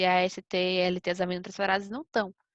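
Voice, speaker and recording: A woman's voice, dry and close with no echo, against a quiet background. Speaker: medical student presenter. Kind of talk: online lecture. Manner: fast; halting, many restarts.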